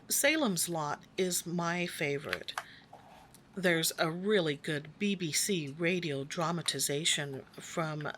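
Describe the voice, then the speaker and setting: Wry lady doing a crafty voiceover, really slow and chatty, bit of noise behind her. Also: fairly low pitch, pushed and bright. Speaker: crafting video host. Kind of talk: conversational voice-over narration.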